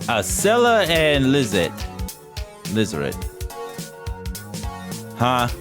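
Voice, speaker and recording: A man's voice: mid-range voice, huge pitch swings, very slow. A man reading a visual novel aloud as a streamer, with casual, irreverent asides. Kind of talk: casual let's-play translation with commentary. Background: game music.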